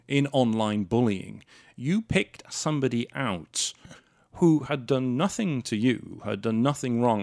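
A man's voice: medium pitch, no room sound, clean studio sound. A man from South Wales hosting a podcast, telling a story in an indignant, sarcastic way. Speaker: podcast host. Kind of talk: casual storytelling monologue.

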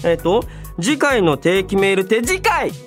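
A man's voice: high voice, big pitch swings, normal speed, fairly bright tone. A man in his thirties hosting a casual radio show, chatting playfully and reading listener mail in a polite but loose way, often chuckling at himself. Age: 30s. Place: radio studio. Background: background music.

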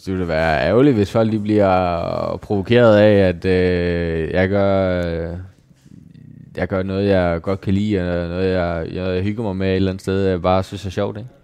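A man from Jutland, a professional cyclist answering interview questions calmly and modestly, often restarting his sentences. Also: low-pitched, clear, resonant tone, no room sound. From Jutland, Denmark.

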